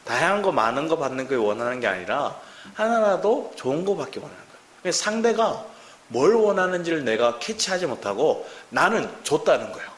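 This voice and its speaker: A male pastor in his thirties with a Gyeongsang Korean accent preaches, his voice set a little high and swinging through a wide, animated range. He keeps turning to the congregation with questions. The sound carries the echo of a church hall over a faint hiss. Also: brisk. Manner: lively, asks the congregation many questions. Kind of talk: sermon. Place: church sanctuary.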